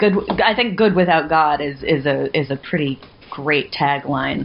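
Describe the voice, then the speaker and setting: Vocal fry marks this woman's speech. Her pitch is very deep and low. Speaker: podcast co-host. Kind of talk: casual chat. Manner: cheerful.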